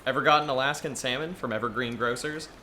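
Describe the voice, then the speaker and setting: A man's voice: medium pitch, fast, bright, forceful tone, a little hiss or hum, lightly acted. A man playing a friendly, eager young Yeti tour guide in an audio drama, chatty and earnest as he explains things. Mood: proud, informative.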